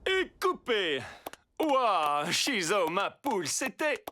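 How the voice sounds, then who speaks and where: An actor voicing a gushing, excitable TV director with an effusive, showy manner in a French cartoon. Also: medium pitch, takes it slowly, a little hiss or hum, exaggerated voice.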